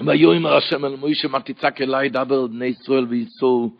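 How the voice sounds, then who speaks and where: A man preaching a Torah sermon as a rabbi, with an Ashkenazi Hebrew pronunciation and Yiddish words, moving from hushed teaching to fervent crying out. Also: medium pitch, fairly even intonation, creaky. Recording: muffled lo-fi recording.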